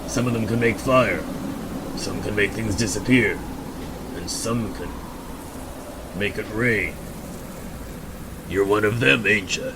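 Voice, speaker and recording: Man acting a low-voiced menacing backwoods drifter, noisy recording. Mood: suspicious, taunting. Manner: folksy, accusing, drawn-out taunting. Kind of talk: amateur radio drama acting.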